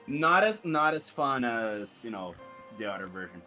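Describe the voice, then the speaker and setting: A man's voice: medium pitch, big pitch swings, moderate pace, bright, forceful tone, soft background music. A man co-streaming a game, trading wisecracks, swearing and asking puzzled questions. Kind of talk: casual let's-play banter.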